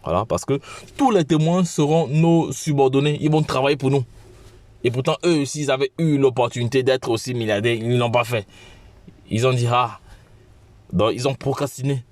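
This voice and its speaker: A man with a cold giving an informal promotional pitch as a channel host, halting and often repeating his phrases. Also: darkish tone. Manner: halting, repetitive, with frequent restarts. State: has a cold.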